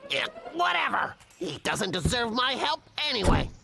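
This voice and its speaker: A man voicing a hapless, grumbling lumberjack in an animated cartoon dub, with a gravelly, self-satisfied mutter. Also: high-pitched, normal speed, very noisy, exaggerated voice. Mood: smug, scheming.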